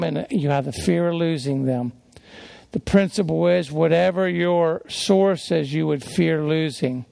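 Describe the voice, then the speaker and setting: Soft-spoken, very gravelly man preaching. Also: on the high side, no echo. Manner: soft-spoken, folksy and rambling. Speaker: pastor. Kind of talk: conversational sermon with personal stories.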